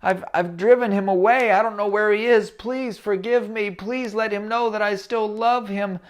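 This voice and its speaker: A remorseful father pouring out his heart in prayer, as a storyteller puts him on, his voice raised higher than the teller's usual talk and pleading. The tone stays earnest and plain, like a children's story told aloud. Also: steady tone, normal speed, lightly acted. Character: repentant father praying aloud, tearful.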